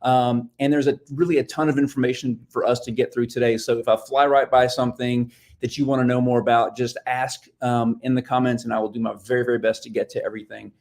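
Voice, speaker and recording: A Nashville-based book publicist, appearing casually as a guest expert on a live stream, talks fast at a level mid-range pitch with hardly any pauses and a slightly mellow sound. His speech is filled with ums and restarts.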